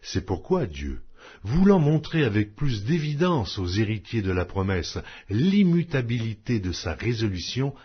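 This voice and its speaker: A man reading scripture aloud as an audiobook, in a solemn, measured, declamatory way. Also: lowish voice, very animated, husky, highs cut off. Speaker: audiobook Bible reader.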